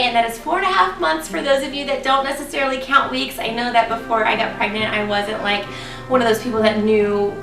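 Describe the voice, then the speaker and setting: A woman vlogging casually to her viewers, chatty and excited, a little raspy and congested from a cold. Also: fairly high pitch, far from the mic. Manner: chatty, excited, lots of ums. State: congested, getting over a cold. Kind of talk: casual vlog talking to viewers. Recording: echoey room, voice a bit off-mic.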